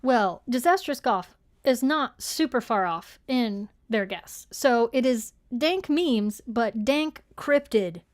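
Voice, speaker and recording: A woman with a fairly high voice co-hosts a live podcast in a relaxed, chatty style. She banters playfully and pokes fun at herself as she shares updates. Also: slow. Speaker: co-host of a podcast live show. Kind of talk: casual chat, announcing channel updates.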